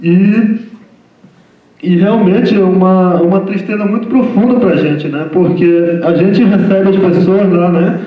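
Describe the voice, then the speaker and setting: Guy speaking as guest at a lecture, halting, keeps tagging phrases, high voice, echoey far-off mic. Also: steady tone. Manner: halting, repeats "né?" constantly. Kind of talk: informal lecture talk. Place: lecture room. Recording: echoey hall from far off, dull sound.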